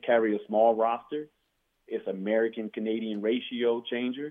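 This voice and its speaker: At a moderate pace, a man speaks in a normal speaking voice with a medium pitch and fairly even intonation. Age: 50s. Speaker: former football player and coach. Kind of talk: casual chat. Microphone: bad connection.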